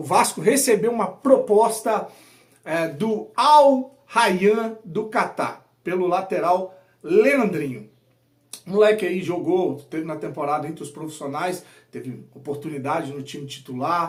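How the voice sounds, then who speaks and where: A high-pitched man's voice at a fairly slow pace, with very wide pitch swings and big swings in loudness. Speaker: football YouTuber. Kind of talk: casual football commentary.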